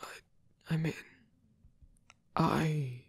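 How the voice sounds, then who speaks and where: A man playing a guarded, lovestruck villain in an ASMR roleplay, halting and tender, with a breathy voice that often drops to a whisper. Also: fairly high pitch, steady tone, dry recording, clean studio sound, heavily acted. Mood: hesitant, vulnerable. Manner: halting, hesitant delivery with pauses. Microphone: close dry microphone.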